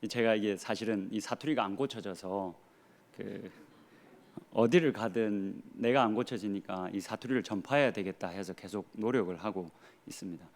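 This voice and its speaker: A man in his thirties from Korea's Gyeongsang region, a pastor with that regional accent, preaches a sermon earnestly, using rhetorical questions and dry humor. His voice is lowish and his pace is normal.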